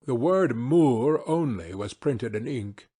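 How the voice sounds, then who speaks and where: A man narrating a classic novel as an audiobook in a measured, formal reading style. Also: medium pitch, expressive, mellow, breathy edge. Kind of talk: scripted literary narration.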